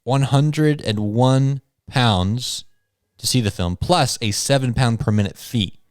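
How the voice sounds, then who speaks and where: A man's voice: mid-range voice, takes it slowly, no room sound. Dry-sounding joking male podcast quiz host. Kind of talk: casual podcast chat, hosting a trivia game.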